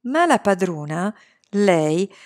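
A woman reading a novel aloud in an expressive storytelling manner. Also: takes it slowly. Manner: expressive storytelling, lively pitch. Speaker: audiobook reader. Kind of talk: scripted narration of a novel.

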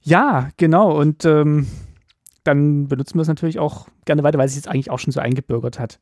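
A man co-hosting a casual podcast discussion, explaining things quickly in his native German, with lots of filler words. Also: on the high side, darkish tone, dry recording, studio quality. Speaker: podcast co-host.

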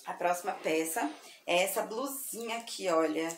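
A chatty woman with a slightly lower voice, a little hoarse from sleep, gushes over each piece of clothing. She talks right to her viewers in a casual product showcase. The room is echoey, with a faint hum behind her. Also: normal speed. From Brazil. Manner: chatty, effusive, addresses viewers as girls. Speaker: online thrift seller.

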